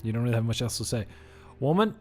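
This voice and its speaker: A man's voice: mid-range voice, very animated, fast, soft background music. A young Portuguese man with a Portuguese accent, rambling and joking as he streams a game. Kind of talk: let's-play commentary.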